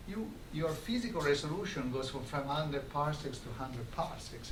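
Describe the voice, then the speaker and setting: Echoey, distant male academic lecturer. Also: medium pitch. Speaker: astrophysicist giving a colloquium talk. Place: lecture room, recorded from a distance. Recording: echoey, distant microphone, clearly noisy room.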